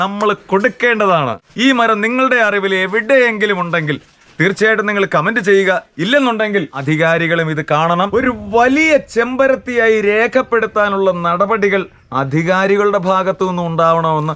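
A man's raised, projected voice, high-pitched, bright and sharp, with lively intonation. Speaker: YouTube vlogger. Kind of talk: vlog presentation with on-site interview. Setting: outdoors, in a house yard.

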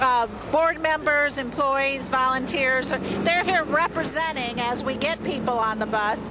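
A woman speaks at a moderate pace in a raised, projected voice with ordinary pitch variation. The sound is dry with no echo, though there is noticeable background noise. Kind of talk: interview answer. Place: street.

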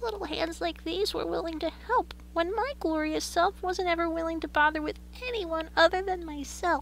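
Over clear background noise, a put-on, squeaky character voice that sounds female comes through at an extremely high pitch for a woman and a moderate pace. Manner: petulant, bratty, self-pitying.

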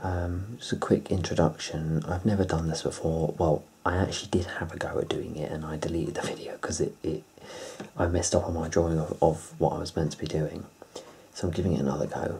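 Soft-spoken delivery at a fairly quick pace. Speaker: ASMR creator. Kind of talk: soft ASMR chat while drawing. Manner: soft hushed introduction. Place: home room.

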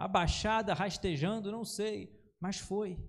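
With a Brazilian accent, a man speaks at a very slow pace in a high pitch over a quiet background. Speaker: preacher. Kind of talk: sermon. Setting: church with congregation. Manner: fervent, exhorting. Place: church. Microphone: handheld.

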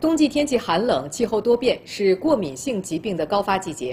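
A somewhat breathy woman's voice with very wide pitch swings over light background noise. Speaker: news anchor. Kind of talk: news reading. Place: studio.

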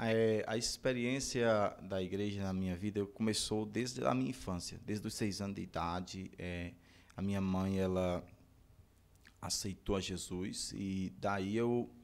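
A man speaks at a fairly slow pace in a fairly low voice. His pitch varies in an ordinary way. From Tabuleiro do Norte, Ceará, Brazil; Ceará, Brazil. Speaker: missionary preacher. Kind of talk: casual interview. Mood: calm, earnest. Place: studio. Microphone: studio mic.

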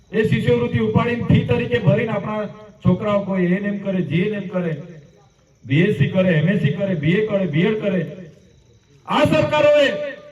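A man talks at a high pitch with lively intonation. Audible room echo and noticeable background noise surround his voice. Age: 30s. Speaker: politician. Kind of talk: campaign rally speech. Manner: loud, fiery.

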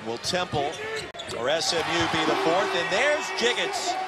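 A man's raised, projected voice with an energetic tone at a fairly slow pace, dry sound with no echo, over loud background noise. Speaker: basketball play-by-play commentator. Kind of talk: live basketball play-by-play commentary, clipped highlight calls. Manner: energetic, rising emphasis on big plays. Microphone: headset.

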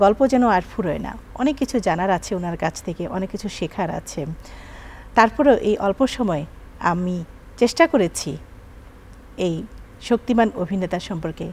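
A woman's voice at a middle pitch carries lively intonation. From Bangladesh. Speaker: TV presenter. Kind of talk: formal TV sign-off; interview. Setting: TV studio. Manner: formal. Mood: warm, smiling. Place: studio.

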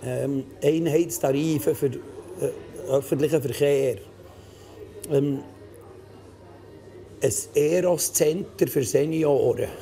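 A man with a fairly high pitch and ordinary pitch variation speaks at a very slow pace with long, frequent pauses over light background noise. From Interlaken, Switzerland; Switzerland. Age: 60s. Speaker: rock musician. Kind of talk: documentary interview answer. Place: cafe. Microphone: lapel.

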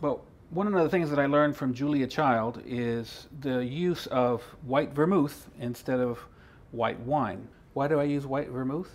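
Ordinary pitch variation marks this man's voice. He speaks at a fairly slow pace. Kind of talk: cooking tutorial. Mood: relaxed, friendly. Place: kitchen. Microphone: lapel.

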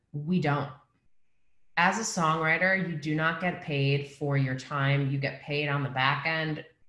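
A woman's very deep, low voice with a New Jersey accent and a bright, sharp tone, at a fairly slow pace with fairly even intonation and very even loudness, in audible room echo over a quiet background. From New Jersey, US. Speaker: songwriter and producer; guest. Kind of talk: casual interview. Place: home room. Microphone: video call.

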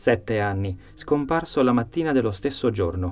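Fairly quick speech from a man with very wide pitch swings, music in the background. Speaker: audiobook narrator. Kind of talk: audiobook reading.

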